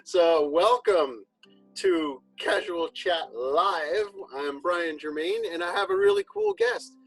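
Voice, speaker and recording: A man hosting a casual chat show, talking in a relaxed, rambling way with frequent restarts. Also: fairly high pitch, slow, slightly rough, soft background music, rough recording. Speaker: podcast host.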